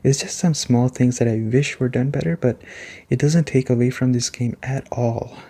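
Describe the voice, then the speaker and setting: A soft-spoken man hosting a gaming review as a gentle, unhurried, casual ASMR chat. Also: mid-range voice. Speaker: gaming reviewer and video host.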